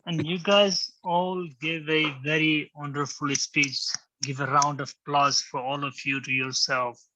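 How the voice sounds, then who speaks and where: A man's voice: fairly high pitch, level tone, unhurried, noisy background. A man hosting a speech practice session, speaking in an encouraging, emphatic way and repeating key phrases.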